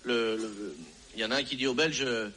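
A man's voice: medium pitch, fairly even intonation, a little fast, bright, forceful tone. A man telling a joke in a rambling way, with many fillers and restarts. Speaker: joke teller. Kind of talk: telling jokes aloud.

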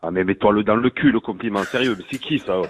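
A man's voice: on the low side, fast talker, a little hiss or hum. A man on a phone call, irritated and vulgar, brushing off the caller rudely.

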